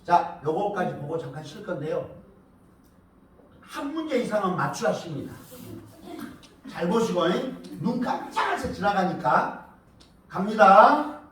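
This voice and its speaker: A high-pitched man teaches a live audience, and his pitch leaps all over the place. He teases his listeners and chants words in a sing-song rhythm. The sound is boomy and roomy, picked up from some distance in a lecture hall. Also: big pitch swings, measured pace, pauses often, fairly bright tone, a little hiss or hum. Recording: echoey hall, mic at a distance.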